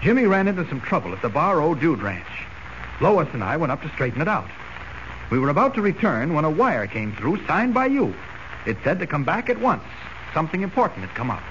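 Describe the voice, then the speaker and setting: An actor playing an earnest young newspaper reporter who talks urgently and stammers when cornered, in 1940s radio acting. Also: male voice, a little high, big pitch swings, fairly quick, fairly bright tone. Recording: dull, hissy old radio recording.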